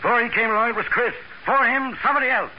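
A man's voice: extremely high pitch, rapid-fire. An actor playing an indignant, grumpy middle-aged father and boss in a 1940s radio crime drama. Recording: muffled, hissy old radio recording.

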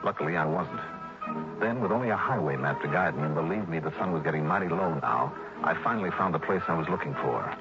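A man's voice: a bass voice, lively intonation, fast talker. An actor playing a tough, wisecracking male insurance investigator, narrating in clipped, dry 1960s radio drama style. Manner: dry, clipped, hard-boiled. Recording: dull old radio recording with music.

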